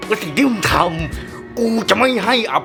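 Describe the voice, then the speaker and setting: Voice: medium pitch, animated, normal speed, gravelly. A performer voicing a middle-aged father who is grieving for his lost pet bird, in a cartoon fan dub, with music underneath. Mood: furious. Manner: wailing, then bitter and threatening.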